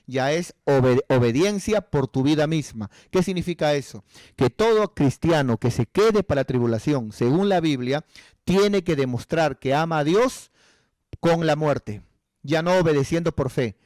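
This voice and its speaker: Earnest preaching pastor, higher man's voice. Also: a little mellow, no echo. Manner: earnest, pleading, acts out dialogue. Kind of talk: sermon.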